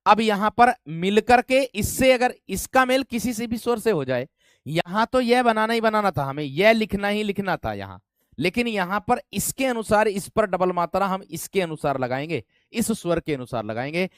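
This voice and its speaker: A man's voice: high voice, lively intonation, moderate pace, clear, resonant tone, no echo, clean studio sound. A man teaching an online grammar class, explaining step by step and often calling his students friends and brave ones.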